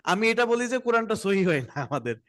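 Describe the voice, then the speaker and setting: A man's voice: high-pitched, sing-song, fairly quick, a bit bright. A man teaching a Quran pronunciation class over a video call, patiently modelling letter sounds for students to repeat. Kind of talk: online class, pronunciation drills.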